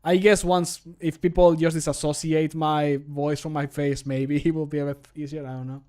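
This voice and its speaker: Male streamer, 30s, higher-pitched than average, casual and jokey, muses aloud while working. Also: little pitch movement, normal speed, a little mellow. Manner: jokey, self-deprecating, thinking aloud. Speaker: streamer, game modder recording voice lines. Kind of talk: casual livestream chat. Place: small home room, indoors.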